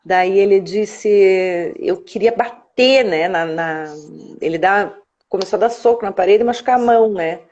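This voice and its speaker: A woman's voice: mid-range voice, measured pace, a little mellow. A Brazilian woman chatting on a live video call, explaining things earnestly with frequent tag questions. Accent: Brazilian Portuguese. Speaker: guest. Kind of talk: casual live-stream chat. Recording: dull lo-fi live-stream audio.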